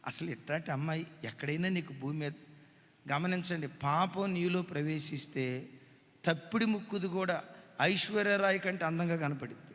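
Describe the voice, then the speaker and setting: A male Telugu pastor preaching a dramatic sermon, swinging between hushed asides and loud cries. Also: on the high side, moderate pace, in a large hall.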